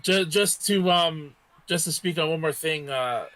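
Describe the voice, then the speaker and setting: Male panelist, slightly high voice, casual and halting, repeats himself as he talks. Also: fairly bright tone. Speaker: podcast panelist. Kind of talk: casual chat.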